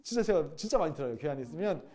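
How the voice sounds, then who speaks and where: Animated high-voiced male pastor. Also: racing. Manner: animated, acts out quoted voices with sudden loud high bursts. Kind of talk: sermon-style Bible study teaching.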